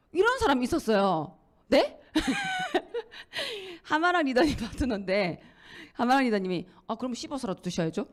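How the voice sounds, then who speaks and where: Animated woman giving a sales pep talk. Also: medium pitch. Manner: animated, acts out quoted dialogue, laughs often. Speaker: network marketing speaker. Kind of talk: motivational lecture.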